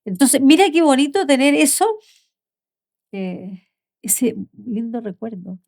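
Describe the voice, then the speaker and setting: Older woman, heartfelt storyteller, gravelly. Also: fairly high pitch, animated, slow. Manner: heartfelt, storytelling, voice often drops soft. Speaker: guest. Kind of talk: conversational interview.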